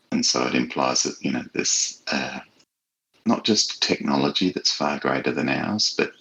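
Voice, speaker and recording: A man speaking as an interviewed author, explaining his ideas in a measured, halting, reflective way. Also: extremely low pitch, creaky, bright, forceful tone, breathy edge, poor audio.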